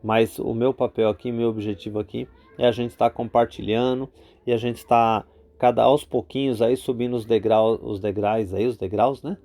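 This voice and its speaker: A man's voice: medium pitch, little pitch movement, normal speed, dark tone. A Brazilian man with a Brazilian Portuguese accent, teaching English vocabulary in a casual spoken lesson, full of fillers and repeated "tá?" check-ins.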